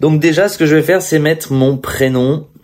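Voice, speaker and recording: Noticeable background noise sits behind the recording. A man speaks with ordinary pitch variation. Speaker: YouTuber vlogging a personal challenge. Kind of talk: casual vlog talk to camera. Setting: outdoors in a forest.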